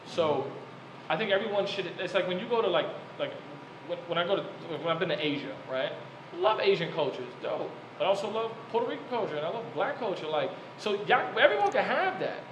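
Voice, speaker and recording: A man's voice: high voice, big pitch swings, fairly quick, highs cut off. A man in a casual group debate, talking in a slangy, profane and opinionated way. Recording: echoey room, noisy background.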